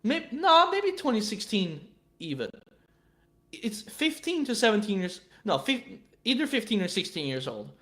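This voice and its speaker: A young man in his twenties rambles through a casual live-stream chat in a voice that sits a bit high for a man and has a sharp tone. Very animated and at a moderate pace, he swears freely and keeps stumbling into stammered restarts.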